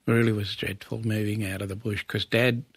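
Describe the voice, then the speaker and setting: Gravelly older Aboriginal Australian man reminiscing. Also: on the low side, little pitch movement, normal speed, no echo. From Western Australia. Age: 70s. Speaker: interview guest, Aboriginal elder. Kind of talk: conversational reminiscence.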